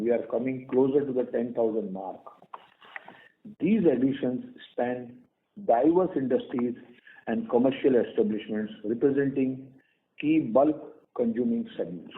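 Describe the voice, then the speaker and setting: A man with an Indian accent giving a prepared company earnings presentation as an executive, formally and in short, measured phrases. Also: mid-range voice. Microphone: phone or conference call line. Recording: tinny phone-line conference call audio.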